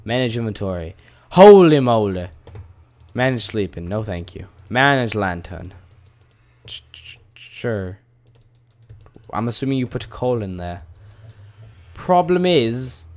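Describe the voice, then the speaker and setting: A man talks through his video game session in a loose, rambling way, often joking at his own expense. His voice sits in an ordinary middle pitch, and the commentary comes off casual and unscripted. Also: lively intonation, unhurried, pauses often. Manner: rambling, self-mocking, casual. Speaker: gaming video host. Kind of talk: let's-play commentary.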